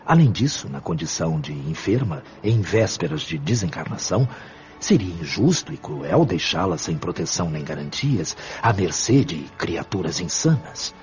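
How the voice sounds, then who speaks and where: Man acting a deep-voiced, calm spirit mentor. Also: soft background music. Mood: patient, firm. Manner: measured, didactic, formal diction. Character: calm wise male spirit mentor, patient and firm. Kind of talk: audio drama dialogue. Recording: dull lo-fi audio.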